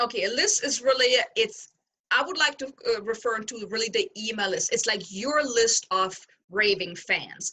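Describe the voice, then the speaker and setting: A woman speaks in a fairly high-pitched voice with a bright, sharp tone and ordinary pitch variation. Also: moderate pace. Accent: German. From Germany. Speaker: business coach. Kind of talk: interview.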